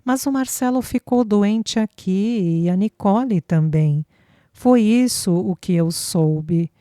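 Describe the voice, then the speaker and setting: A woman's voice: medium pitch, takes it slowly, warm tone, dry recording, studio quality, lightly acted. A woman reading an older immigrant father who speaks bluntly and drops Italian words into his talk.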